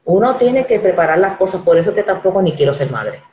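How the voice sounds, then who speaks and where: A woman in her forties hosting a casual live-stream chat, animated and acting out the voices she quotes. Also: lowish voice, fairly quick, roomy sound, low-quality recording. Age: 40s. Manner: animated, acts out quoted voices, repeats words.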